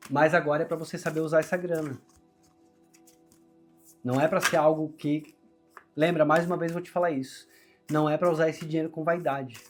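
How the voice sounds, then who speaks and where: Male Brazilian tarot reader, fairly high voice strained by a sore throat, earnest and encouraging, music underneath. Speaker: tarot reader, channel host. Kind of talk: conversational tarot reading to viewers.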